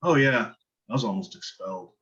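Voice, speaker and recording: Laid-back teenage boy, played by a man: deeper voice, casual, laconic, slightly muffled recording. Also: expressive, brisk, fairly bright tone. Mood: laid-back, friendly. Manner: casual, offhand. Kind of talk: table read acting.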